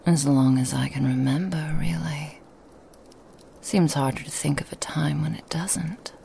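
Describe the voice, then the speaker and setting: A woman voicing a seductive, sly female Christmas demon in an ASMR roleplay, whispering softly and teasing. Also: low-pitched, fairly even intonation, a little slow, vocal fry, a little hiss or hum, heavily acted. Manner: soft whispering, teasing and insinuating.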